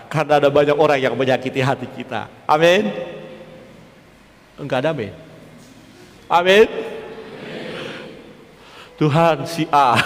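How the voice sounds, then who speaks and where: Animated preacher in a reverberant hall. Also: male voice, mid-range voice. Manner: animated, questions and teases the congregation. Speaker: pastor. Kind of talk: sermon. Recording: long church-hall reverb.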